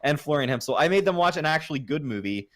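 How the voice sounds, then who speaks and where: A man's voice: fairly high pitch, expressive, fast talker, a bit bright. Swearing, boastful male podcast co-host. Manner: boastful, swears, stumbles over words. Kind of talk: casual podcast chat.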